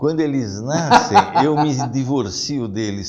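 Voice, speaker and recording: The man's speech is very slow. His pitch rises and falls in a lively way. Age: 70s. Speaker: writer and poet. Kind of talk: interview.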